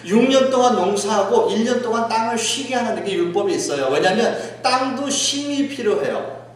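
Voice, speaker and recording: A man's voice: high-pitched, animated, moderate pace, distant mic. Man preaching in an echoey hall. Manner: dramatic, acts out quoted speech in a raised voice. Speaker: pastor. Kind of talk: sermon. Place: church sanctuary.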